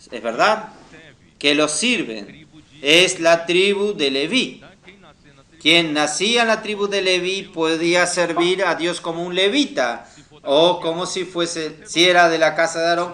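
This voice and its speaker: Slow, high-voiced man preaching with echo. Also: bright, forceful tone. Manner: didactic, often posing questions to listeners. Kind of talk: teaching sermon to teenagers. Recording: roomy, echoing sound.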